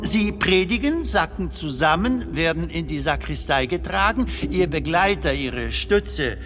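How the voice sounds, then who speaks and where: Casting: male actor for philosophizing comic wanderer, audio drama. Higher male register, swinging intonation, halting, playful delivery, faint music beneath. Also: expressive. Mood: insistent. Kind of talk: German audio drama dialogue.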